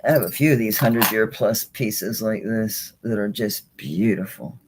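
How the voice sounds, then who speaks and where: A woman's voice: rumbling low, normal speed, background noise. A woman hosting a live jewelry auction in a chatty, casual way, laughing often and talking to herself as she handles items. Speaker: online jewelry seller.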